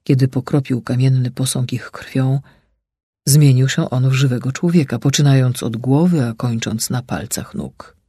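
Husky man telling a fairy tale. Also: mid-range voice, moderate pace, mellow, no echo, studio quality. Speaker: storyteller.

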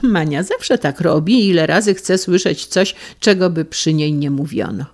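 A woman's voice: deep voice, animated, normal speed, darkish tone. A woman doing an indignant quarreling wife. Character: indignant middle-aged wife, quick to argue.

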